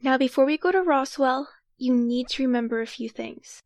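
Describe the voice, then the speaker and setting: A woman's voice: high-pitched, moderate pace, darkish tone, no echo, studio quality. A woman playing an earnest, cautious young time traveler who takes charge and explains things carefully in an audio drama. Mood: serious, warning.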